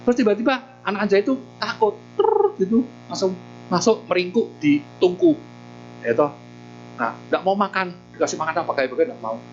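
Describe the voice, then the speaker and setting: A man preaching a Buddhist sermon as a lively storyteller who keeps tossing in tag questions. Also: a little high, muffled recording.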